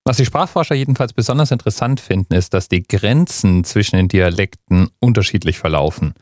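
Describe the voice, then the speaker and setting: Low-voiced man explaining dialects. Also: lively intonation, a little fast, a little mellow, dry recording, clean studio sound. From Bavaria. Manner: conversational, explanatory. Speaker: host. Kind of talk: scripted explainer narration.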